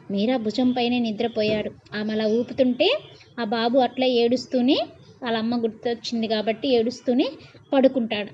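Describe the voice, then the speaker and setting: A woman narrating a bedtime story in a colloquial way. She pauses often to re-explain lines in casual asides. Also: fairly high pitch, lo-fi sound, slight background noise. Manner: reads, then retells and explains in casual asides.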